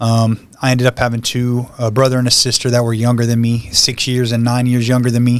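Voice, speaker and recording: Here a man speaks with an American accent at medium pitch. He keeps a moderate pace. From Houston, Texas. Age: 40s. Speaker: recovery home director and podcast co-host. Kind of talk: testimony.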